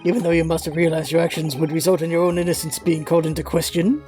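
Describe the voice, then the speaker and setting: A man's voice: on the high side, level tone, fast, a little mellow, soft background music, voice pushed down, lightly acted. A man voicing a stern, formal courtroom judge in a video game. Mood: stern, questioning.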